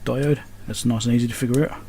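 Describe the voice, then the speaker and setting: Gravelly man muttering over a noisy recording. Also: mid-range voice, steady tone, quick pace, warm tone. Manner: muttering to himself while working. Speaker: electronics repair video host. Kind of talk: casual hands-on repair commentary. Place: indoor electronics workbench. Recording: clearly noisy workbench recording.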